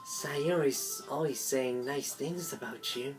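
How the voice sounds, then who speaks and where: A soft-spoken, timid schoolgirl, played by a woman, low in pitch and mature for her age. She speaks quietly and hesitantly, as a game character. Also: slow pace, over music, exaggerated voice, rough recording. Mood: shy, polite.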